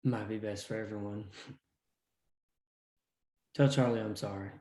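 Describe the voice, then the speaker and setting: A man's voice: lowish voice, fairly even intonation, unhurried, mellow, natural voice. Echoey room. Remorseful young captive, acted by a man, fatalistic and subdued, for a drama. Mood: resigned. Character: resigned, remorseful young captive, boss's son. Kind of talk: script table read. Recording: echoey, distant-sounding room.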